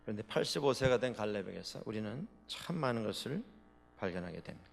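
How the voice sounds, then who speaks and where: A male pastor preaching a sermon, with dramatic swings between loud proclamations and quiet asides. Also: fairly low pitch, lively intonation, fast, gravelly. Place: church sanctuary. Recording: long reverb of a large hall.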